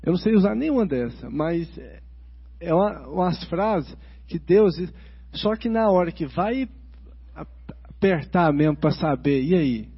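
A man chatting casually about faith, telling stories with quick asides and restarts. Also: on the high side, animated, husky. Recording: dull lo-fi recording.

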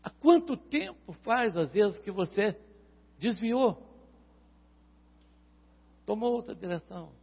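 A Brazilian man preaching in a church, his husky voice sitting fairly high and ringing through a long hall reverb. The recording is dull and lo-fi, and he swings between quiet questions to the congregation and loud, fervent exhortation. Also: big pitch swings, slow, long pauses. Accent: Brazilian Portuguese. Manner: preaching, addressing congregation members by name, rising to loud prophetic passages. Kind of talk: sermon.

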